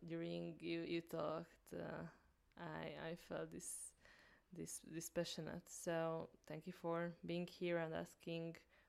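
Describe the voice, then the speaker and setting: With a Hungarian accent, a woman talks at a very slow pace. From Hungary. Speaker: singer and vocal coach. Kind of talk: casual interview.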